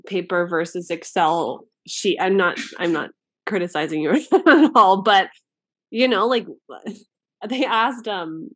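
A woman co-hosting a casual chat, telling stories in an animated way with lots of "like" and quick asides. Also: fairly low pitch, dry recording. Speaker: podcast co-host.

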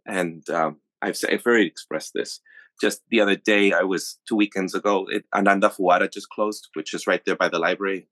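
A man's voice: deep voice, fairly even intonation, brisk, fairly bright tone, dry recording. Earnest man on a dry mic. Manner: earnest, reflective storytelling. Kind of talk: casual podcast chat.

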